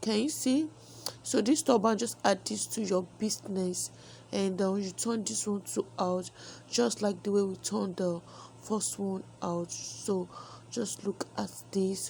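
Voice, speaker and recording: A soft-spoken woman talks at a fairly slow pace in a somewhat breathy, dark and mellow voice of medium pitch, with lively intonation. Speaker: fashion tutorial creator. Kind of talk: tutorial.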